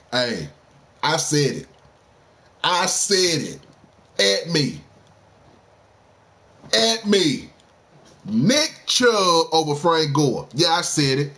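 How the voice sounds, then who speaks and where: Animated husky-voiced male streamer. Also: a little high, drawn-out words, long pauses. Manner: animated, heated sports banter with slang; talks straight to viewers. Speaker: game streamer. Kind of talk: casual live-stream chat.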